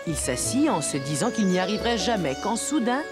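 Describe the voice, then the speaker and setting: A woman narrates a children's cartoon in a gentle storybook way. Her pitch is in the middle range but moves a lot. Loud music plays behind her. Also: big pitch swings, fairly quick.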